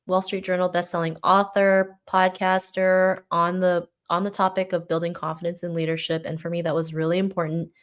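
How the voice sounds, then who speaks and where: A woman's voice: on the low side, little pitch movement, fairly quick, few pauses. A woman from Toronto, born in the Philippines and not a native English speaker, talking casually and motivationally as an author guest on a podcast. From Toronto, Canada, born in the Philippines. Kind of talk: casual interview talk, motivational.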